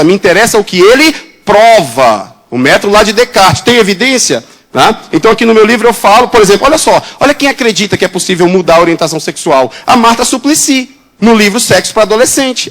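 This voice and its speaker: A pastor with a Brazilian Portuguese accent delivers an animated sermon in a fairly high male voice. He fires off rhetorical questions and briefly slips into the voices of the people he quotes.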